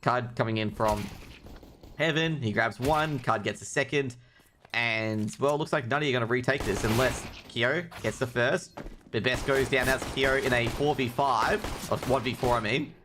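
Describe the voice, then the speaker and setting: A man's voice: medium pitch, moderate pace. Casual male game streamer over background noise. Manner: jokey, informal, chatty with viewers. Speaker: esports streamer and match commentator. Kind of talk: casual live game commentary with chat banter. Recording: clear background noise with clicks.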